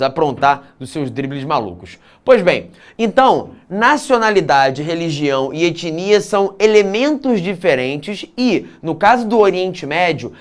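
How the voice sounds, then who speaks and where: A man teaching an exam-prep geography lesson, mixing clear explanation with casual asides and frequent tag questions. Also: high voice.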